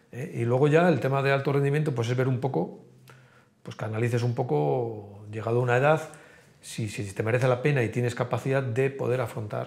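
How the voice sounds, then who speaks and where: Fairly quick speech from a man, medium in pitch, with ordinary rise and fall. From León province, Spain. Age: 50s. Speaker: retired marathon runner; athletics coach guest. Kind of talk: interview. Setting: tv studio. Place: studio. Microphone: lapel.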